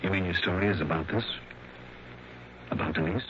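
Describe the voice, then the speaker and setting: An actor playing a hard-boiled insurance investigator, narrating in terse, dry first person in a 1960s radio drama. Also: male voice, sits low, fairly even intonation, fairly quick, a little hiss or hum, natural voice. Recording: dull lo-fi vintage radio broadcast.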